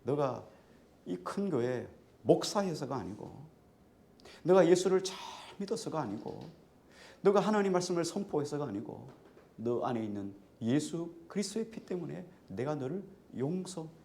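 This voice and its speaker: A male pastor voicing God as a stern, mighty male voice that rebukes slowly and emphatically. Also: on the high side, big pitch swings, gravelly. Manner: slow, emphatic, loud rebukes.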